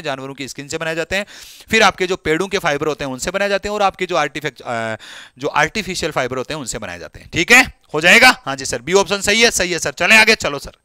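A man's voice: high voice, pushed and bright, smooth, no room sound, clean studio sound. A man teaching an English exam class live online, coaxing students and calling on them by name.

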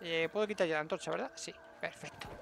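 A man's voice: on the high side, quick pace, gravelly, noisy background. A man with a Spain Spanish accent giving let's-play commentary, muttering to himself and bursting into exclamations, recorded on a desk mic at home. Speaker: gaming streamer.

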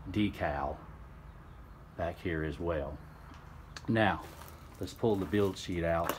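A man's voice: sits low, slight background noise. A man, the channel's host, walks around a car in an old barn, explaining its details plainly and methodically while filming on a phone. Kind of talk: walkaround narration while filming. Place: old open barn, indoors and out. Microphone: handheld phone camera.

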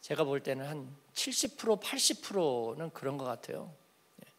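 A man's voice: a little high, very animated, normal speed, a bit bright. A man preaching an early-morning church sermon in a conversational way, asking the congregation questions and acting out little everyday exchanges. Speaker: pastor.

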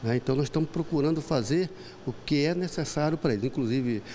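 A man's voice: on the high side, fast talker, warm tone, slight background noise. A man representing a company, listing the help given in a TV news interview.

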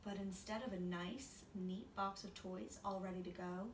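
A woman's voice: medium pitch, fairly even intonation, moderate pace, recorded from a distance. A woman in her twenties reading a children's picture book aloud expressively in a small room, a few feet from the camera. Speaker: storybook reader. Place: small indoor room, seated. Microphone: camera a few feet away. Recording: roomy, off-mic, faint noise.

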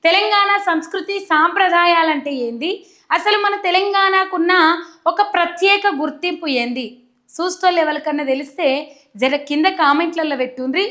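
A woman's voice: very high voice, normal speed, pushed and bright. A young woman from Telangana with a Telangana Telugu accent, giving earnest, emphatic political commentary straight to camera. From Telangana, India.

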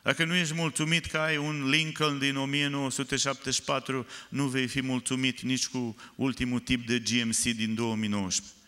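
A man preaching a sermon, telling stories with animated, often loud emphasis, recorded in a church. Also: medium pitch. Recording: reverberant church hall.

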